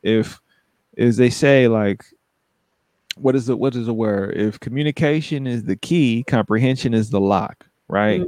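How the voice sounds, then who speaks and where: A man speaking in a relaxed conversation, reflective with a coaching, emphatic way of talking. His voice sits at a middle pitch. The recording is dry. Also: measured pace, no room sound. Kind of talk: casual conversation.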